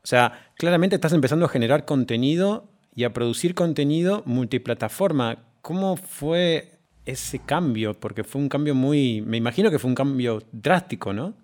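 A man hosting a casual interview conversation, asking questions in a relaxed, hesitant way. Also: mid-range voice, moderate pace. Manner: relaxed, hesitant, many fillers. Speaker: podcast host.

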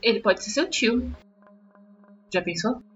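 A woman's voice: on the high side, animated, slow pace, breathy edge. A woman playing a tabletop roleplay game, switching between describing her actions and speaking in character. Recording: muffled, under loud music.

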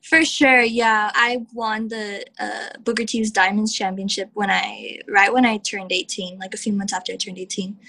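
A young woman from Texas, a professional wrestler, answering interview questions in a chatty way, full of "like" and quick laughs. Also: mid-range voice, level tone, creaky, sharp tone, rough recording. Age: young adult. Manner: chatty, heavy use of "like", laughs often.

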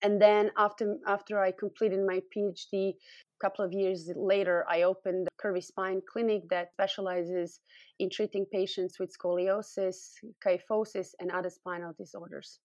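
A woman's voice: medium pitch, little pitch movement, moderate pace, no room sound, highs cut off. A woman from Serbia with a Serbian accent, speaking as an expert guest and explaining things in an interview. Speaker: guest expert, scoliosis clinic founder and physiotherapist.

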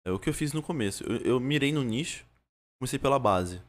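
A man's voice: medium pitch, lively intonation, brisk. A young man with a Brazilian Portuguese accent chatting casually as a podcaster, slangy, often repeating phrases and restarting. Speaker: podcaster and streamer.

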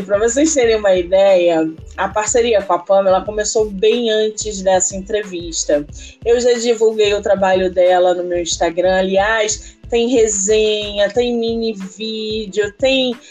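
A woman's voice: fairly high pitch, darkish tone. A Brazilian woman hosting a casual podcast interview, speaking informally and effusively.

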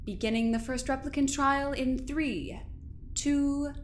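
Audio drama scientist, female, acted: higher-pitched, icy, clipped, imperious, slight background hiss. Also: steady tone, a little slow. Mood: cold, impatient. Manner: clipped, formal, commanding.

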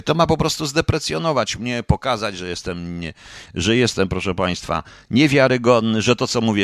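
A man's voice: fairly low pitch, a bit bright, no room sound. A middle-aged man hosts a live online show, combative and swearing now and then as he presses his chatters with the same question again and again. His voice swings widely up and down, and the sound is close and dry with no room around it. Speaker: online radio host reading a live chat. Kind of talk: casual live broadcast talk answering chat comments.

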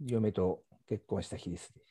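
A man from Kansai with a faded Kansai accent, a marketing teacher co-hosting a casual podcast, easygoing and quick to laugh. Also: lowish voice, mellow, husky, no echo, studio quality. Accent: faded Kansai Japanese. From Kansai, Japan.

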